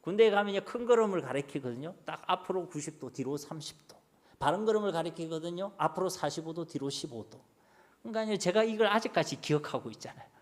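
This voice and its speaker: A man's voice: a little high, animated, fast talker. A middle-aged man with a Gyeongsang Korean accent preaching a sermon as pastor, asking the congregation rhetorical questions.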